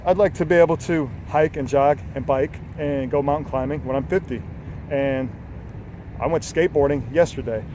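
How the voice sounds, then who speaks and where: A man's voice: on the high side, normal speed, darkish tone, a little hiss or hum, low-quality recording. A man in his forties, a health coach, giving an earnest, rambling motivational talk with many fillers and casual swearing. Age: 40s. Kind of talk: unscripted motivational talk to camera.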